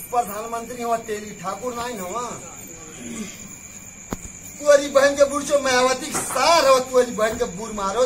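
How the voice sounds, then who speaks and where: Aggressive, very high-pitched man, very noisy call recording. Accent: Bhojpuri, eastern Uttar Pradesh. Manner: aggressive, abusive, repetitive. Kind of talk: heated argument in a phone call.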